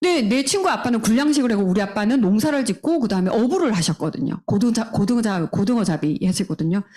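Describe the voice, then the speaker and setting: A woman speaks in a Gyeongsang accent. Her tone is animated and her pitch fairly high. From South Gyeongsang, Geoje Island, Korea. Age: 50s. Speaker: network marketing business leader. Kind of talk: motivational seminar talk. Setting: stage with audience.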